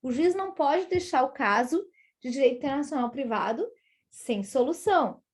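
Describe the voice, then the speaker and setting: A woman's voice: sits high, lively intonation, moderate pace. A woman with a Brazilian Portuguese accent giving a university law lecture, explaining step by step and speaking directly to her students. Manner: explanatory, addresses students directly, acts out quoted judges.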